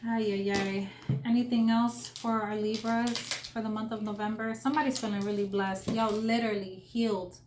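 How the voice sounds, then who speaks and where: A woman's voice: on the high side, little pitch movement, moderate pace, roomy sound, noisy background. A young adult woman giving a casual spoken tarot reading, earnest and emotional, with many fillers and restarts. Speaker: tarot reader.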